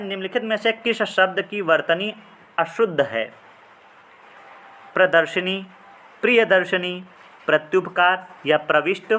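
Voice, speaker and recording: Bright-voiced man teaching a lesson. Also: fairly high pitch. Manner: reads questions then explains, drawing out words to spell them. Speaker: exam prep teacher. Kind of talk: explaining Hindi practice questions.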